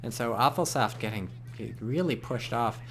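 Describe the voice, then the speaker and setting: A young man casting a strategy game match in a rambling, joking way, with excited bursts when the action heats up. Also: mid-range voice, normal speed, slight background noise. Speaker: game commentator. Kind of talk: casual video game commentary.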